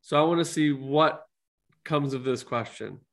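A man's voice: medium pitch, moderate pace, fairly bright tone. A man co-hosting a casual interview over a video call, his audio glitching and cutting out on a poor connection. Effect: glitchy audio cutting out over a weak internet connection. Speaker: podcast co-host and builder.

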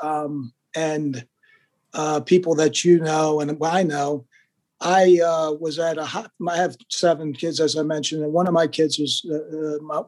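A man's voice: on the high side, darkish tone. Older man telling stories, rambling. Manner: rambling, with many restarts and fillers. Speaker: interview guest, former goalkeeper. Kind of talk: casual storytelling interview.

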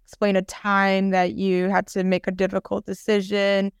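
A woman's voice: medium pitch, monotone, normal speed, smooth, no room sound, clean studio sound. A woman in her twenties from the Chicago area, a dental student chatting about her interview. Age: 20s. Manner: chatty, many fillers and restarts. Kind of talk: casual interview answers.

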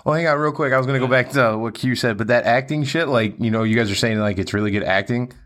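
A man's voice: medium pitch, fast, a bit bright. A man chatting casually on a podcast, laid-back and swearing freely. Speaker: podcast co-host. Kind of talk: casual chat.

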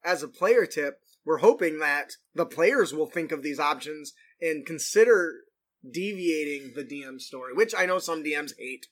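A man's voice: on the high side, expressive, moderate pace. A man hosting a tabletop gaming podcast, chatting casually and rambling off on tangents. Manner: rambling, self-interrupting, chuckles often. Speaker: podcast host.

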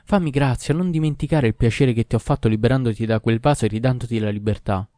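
A man's voice: lowish voice, lively intonation, fairly quick, mellow, no room sound, studio quality, lightly acted. A man voicing a poor, desperate but cunning fisherman in a storybook reading, speaking in an earnest, pleading way.

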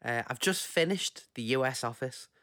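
Brief: husky, just-woke-up guy, rambling chat, dry close sound. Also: mid-range voice, animated, moderate pace, a bit bright, no echo. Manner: rambling, self-interrupting. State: sleepy, morning husky voice. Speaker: podcast co-host. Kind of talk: casual chat.

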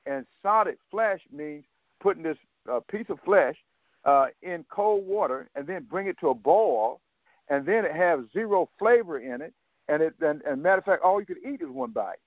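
A man in his seventies, a guest on a talk radio show, telling his story haltingly with many fillers and restarts and quoting others in dialogue. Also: on the high side, expressive, dry recording. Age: 70s. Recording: dry, tinny phone line.

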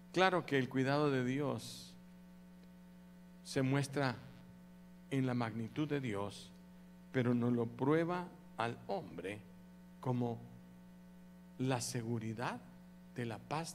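A pastor preaching a sermon to his congregation, animated and calling out to the audience for responses. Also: medium pitch, creaky, big-room sound, slight background noise. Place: church.

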